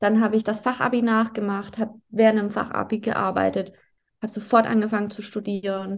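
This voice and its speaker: The woman's voice sits fairly high. Her delivery stays monotone and flat. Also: fairly quick pace. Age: 30s. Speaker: architect. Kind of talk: interview answers.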